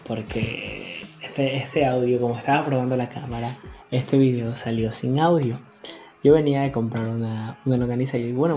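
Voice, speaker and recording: A man's voice: mid-range voice, mellow. A young man giving a wry, casual voice-over full of local slang. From Ecuador. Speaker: motovlogger. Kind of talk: relaxed voice-over narration. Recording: voice-over with faint music behind.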